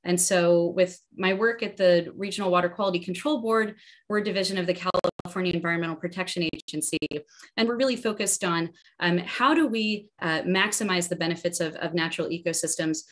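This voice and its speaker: Female panelist, 40s, American, slightly low voice, explanatory delivery, home video call. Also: a little fast, low-quality recording. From New Jersey, US. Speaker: panelist, environmental scientist. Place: bedroom at home, indoors. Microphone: laptop video call.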